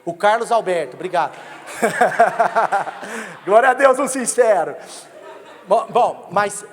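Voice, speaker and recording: A Brazilian pastor in his thirties delivers a sermon in a slow, high-sitting voice, spinning funny stories and joking with his congregation. He speaks with a Brazilian Portuguese accent, and the church sanctuary adds a long, hall-like reverb.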